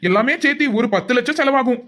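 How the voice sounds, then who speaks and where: Woman playing a greedy fake cartoon doctor, smooth and quick, high-voiced. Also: fairly bright tone. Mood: falsely soothing. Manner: smooth, falsely reassuring. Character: greedy scheming male fraud doctor. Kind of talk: cartoon voice acting.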